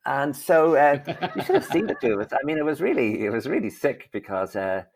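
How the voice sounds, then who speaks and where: A man's voice: mid-range voice, sing-song, a little fast, vocal fry. A man with an Irish accent, a guest in a panel chat, telling stories in a teasing, playful way with mock outrage. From Ireland.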